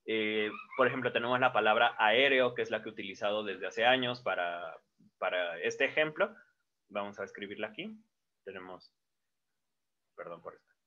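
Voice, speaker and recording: Bright-voiced male teacher. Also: medium pitch. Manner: explanatory, with frequent fillers and self-corrections. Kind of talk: casual whiteboard lesson. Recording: dull lo-fi sound.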